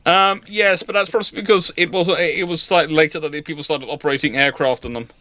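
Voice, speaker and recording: A man's voice: fairly high pitch, fairly even intonation, fast, bright, forceful tone, dry recording. A man hosting an informal live history Q&A, hesitant and repeating words as he thinks, with dry, wry humour. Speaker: host answering audience questions.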